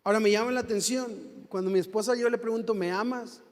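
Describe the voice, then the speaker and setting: High-voiced Mexican preacher in reverb. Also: male voice, steady tone, fast talker. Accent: Mexican Spanish. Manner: fervent, asks the congregation rhetorical questions. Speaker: pastor. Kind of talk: sermon. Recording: long hall reverb.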